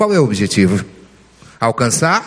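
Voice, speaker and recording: A man speaks at a medium pitch. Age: 60s. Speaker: pastor. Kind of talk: sermon. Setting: church.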